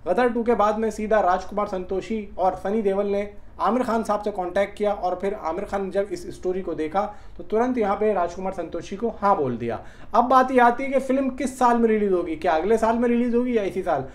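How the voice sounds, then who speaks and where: A man's voice: high voice, fairly quick. A man giving casual film news commentary, talking colloquially and directly to fans like a chatty YouTube host. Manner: colloquial, chatty, addresses viewers as brother.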